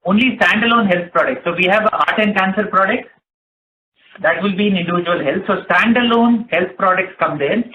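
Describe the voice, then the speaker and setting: A man giving measured, explanatory answers as a company executive on an earnings call. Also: sits high. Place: conference call. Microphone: telephone. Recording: tinny phone line with noise and clicks.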